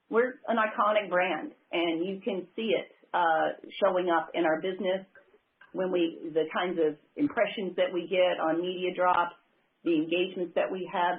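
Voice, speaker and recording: Woman executive on a tinny phone line. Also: fairly low pitch. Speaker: company executive answering investors. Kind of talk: earnings call remarks, semi-spontaneous. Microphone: telephone conference call.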